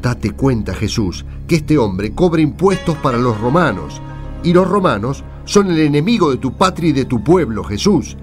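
A man's voice: medium pitch, big pitch swings, normal speed, faint music behind, natural voice. A man with an Argentine accent acting an indignant, hectoring disciple of Jesus in a radio drama. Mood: indignant, scornful. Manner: emphatic, hectoring, insulting. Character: indignant disciple of Jesus, scornful of a tax collector.

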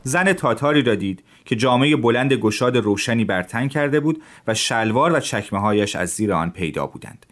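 Calm male storyteller, mid-pitched. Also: hardly any pauses, a little hiss or hum. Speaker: narrator. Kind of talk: storytelling narration for teens.

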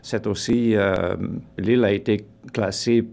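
A man from Mozambique, a guest in a radio studio interview, speaking haltingly and searching for words. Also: on the low side, fairly even intonation, a little mellow. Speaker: guest artist.

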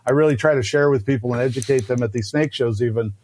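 A man chatting as a podcast guest, telling stories with quick acted-out voices for the people he describes. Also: mid-range voice, slight background noise. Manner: lively storyteller who acts out snakes and customers in quick voices. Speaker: guest snake breeder. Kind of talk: casual podcast chat.

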